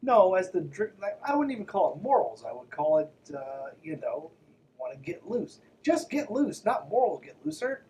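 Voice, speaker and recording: A man's voice: high-pitched, very animated, moderate pace, a little mellow, recorded from a distance, slight background noise, rough recording. A man hosting a podcast, reading aloud and breaking in with mocking, irreverent, conversational asides. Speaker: podcast host.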